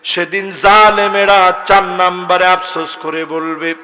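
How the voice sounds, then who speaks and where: High-voiced Bangladeshi preacher chanting and shouting. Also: male voice, flat delivery, measured pace, big-room sound. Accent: Bangladeshi Bengali. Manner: swings between low murmurs and high chanted shouts. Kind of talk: sermon.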